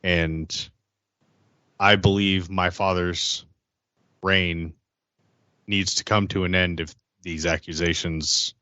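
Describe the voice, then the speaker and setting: Man as a deep-voiced, guarded vampire insider. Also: fairly even intonation, pushed and bright, no room sound, dull audio, heavily acted. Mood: earnest, loyal. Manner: halting, repeats phrases. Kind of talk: improvised role-play dialogue.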